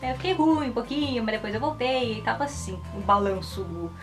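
A woman's voice: on the high side, brisk. A woman, chatting casually and animatedly to the camera in a rambling way. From Japan. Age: 20s. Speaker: YouTuber and Japanese teacher. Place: small indoor room. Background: background music.

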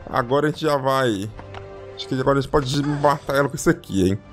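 A young Brazilian man giving excitable, casual let's-play commentary, talking straight to his viewers and repeating phrases as he plays. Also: mid-range voice, quick pace. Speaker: gaming YouTuber. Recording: game music playing behind.

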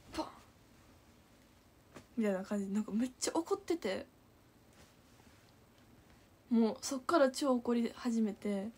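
A young woman in her twenties with a Kansai accent, telling a story to viewers in an animated, giggly way. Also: on the high side, breathy edge. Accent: Kansai Japanese. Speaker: idol livestreamer.

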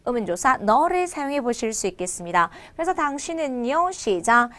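A woman teaching a Chinese language lesson online, drilling phrases slowly with exaggerated tones. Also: fairly high pitch, sing-song, a bit bright.

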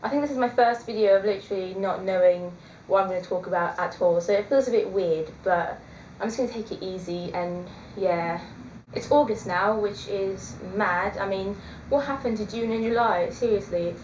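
A woman in her twenties talks casually to her webcam, hesitating often and saying "um" a lot. Her voice is medium-pitched and somewhat dark, at a moderate pace, with a faint hiss or hum. The dull, lo-fi webcam audio echoes in a small indoor room.

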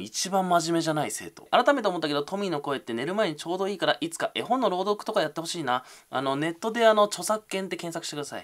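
A man's voice: a little high, a bit bright. A young man, reading viewer comments aloud on a casual livestream and answering them with self-deprecating, mumbled asides.

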